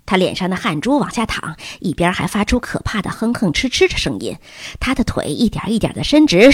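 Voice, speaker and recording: Brief: expressive woman storyteller, animated intonation, dry studio sound. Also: on the high side, husky, no room sound. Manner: lively expressive reading. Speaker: narrator. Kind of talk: audiobook storytelling.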